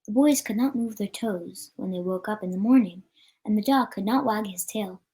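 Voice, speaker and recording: A woman's voice: medium pitch, normal speed, mellow. A woman reading a children's story aloud as a storyteller, with an occasional stumble over the words.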